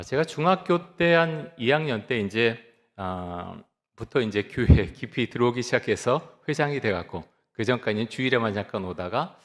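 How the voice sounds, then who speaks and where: A man in his fifties, a pastor giving a sermon in a church, telling a personal story calmly and reflectively, often pausing with "ah" and "uh". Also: medium pitch. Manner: calm, reflective storytelling with frequent "ah" and "uh" fillers. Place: church sanctuary. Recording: long hall reverb.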